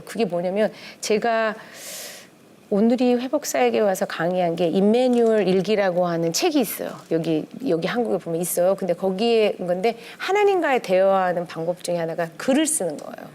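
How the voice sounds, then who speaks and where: A woman's voice: mid-range voice, moderate pace. A middle-aged woman, a pastor's wife, giving a conversational lecture on family relationships to a church class, acting out little bits of dialogue as she goes. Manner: lively, acts out quoted dialogue with shifting tones.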